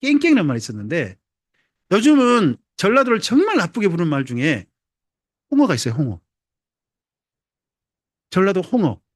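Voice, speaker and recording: Preaching at a moderate pace with long pauses, this Jeolla-born pastor uses a high, lively voice and keeps his sermon light and funny. He repeatedly asks the congregation questions, and the close, dry recording has little room sound.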